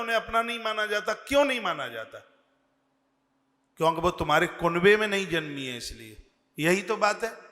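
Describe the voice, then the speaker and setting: A man preaching a devotional sermon, speaking slowly and earnestly and chanting scripture verses. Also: high voice, bright, forceful tone, long reverb tail. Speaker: religious preacher.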